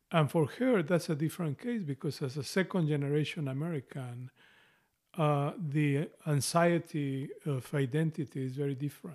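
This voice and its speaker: A man speaks with a strong Mexican accent. The recording is very clean, with a silent background. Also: fairly high pitch for a man, ordinary pitch variation, moderate pace. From Mexico. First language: Spanish. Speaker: podcast host. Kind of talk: casual literary discussion.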